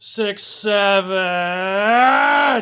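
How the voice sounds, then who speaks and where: Pitched in the middle range, this is a put-on character voice. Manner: crying out mournfully to a lost loved one.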